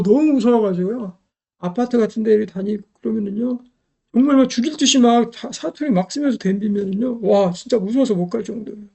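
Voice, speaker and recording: Gravelly-voiced middle-aged woman preaching. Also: on the high side, darkish tone. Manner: emphatic, repeats key phrases, asks the congregation rhetorical questions. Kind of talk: sermon.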